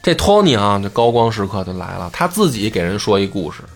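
A man telling a folk tale in a chatty, colloquial way, full of lively asides. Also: fairly low pitch, brisk, soft background music. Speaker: storyteller. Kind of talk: casual storytelling.

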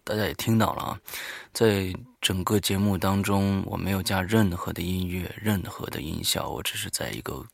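A man talking informally and haltingly to listeners as the host of a horror story show, alone in a studio. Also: low-pitched, gravelly, no echo. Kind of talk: informal spoken monologue to listeners.

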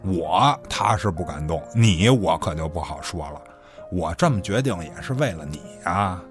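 A man's voice: deep voice, animated, normal speed, music in the background. A man playing a shady, domineering village boss in an audio drama, talking in a calculating, condescending, colloquial way. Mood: condescending, menacing. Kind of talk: Chinese audio drama acting.

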